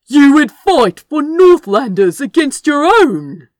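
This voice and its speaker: An indignant demon lord in a fantasy audiobook, voiced by a woman, loud and incredulous. He demands answers forcefully, his pitch rising and falling with his bafflement. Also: sing-song, takes it slowly, no echo, studio quality, heavily acted. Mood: indignant, baffled.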